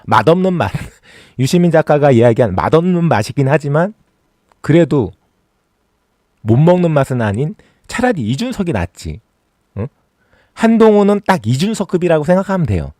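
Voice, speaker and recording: Sarcastic, animated Korean man ranting. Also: on the high side, moderate pace, pauses often, no room sound, clean studio sound. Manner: sarcastic, mocking, rising to exasperated rants. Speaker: political YouTube host. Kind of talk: casual political commentary livestream.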